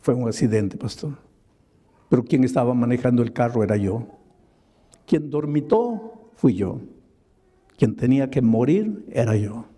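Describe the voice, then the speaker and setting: Preacher doing a broken grieving guy, tearful confession, husky and mellow. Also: mid-range voice, lively intonation, a little slow, pauses often. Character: grieving middle-aged man confessing his past.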